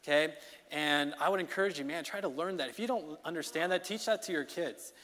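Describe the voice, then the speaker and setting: A man preaching an informal midweek sermon as song leader, talking in a conversational, energetic way that keeps checking in with the congregation. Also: fairly high pitch, brisk. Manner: conversational, energetic, often checks in with "okay?" and "you know". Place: church sanctuary. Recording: long reverb of a church hall.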